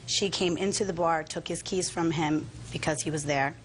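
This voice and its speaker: Very low-pitched woman testifying in court. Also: steady tone, normal speed, a little hiss or hum. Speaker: defendant in small claims court. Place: television courtroom.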